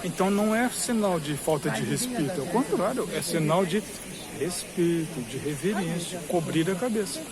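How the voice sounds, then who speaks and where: Standing in a queue outside a cathedral, a Brazilian man with a slightly high, expressive voice gives rambling, informal commentary to camera at a moderate pace, with a Brazilian Portuguese accent. He digresses, explains at length and repeats points for emphasis, while crowd chatter, busy crowd noise and hiss fill the recording.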